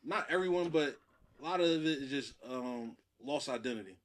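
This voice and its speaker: Man, medium pitch, African American English, casual podcast host, question-posing. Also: lively intonation, normal speed.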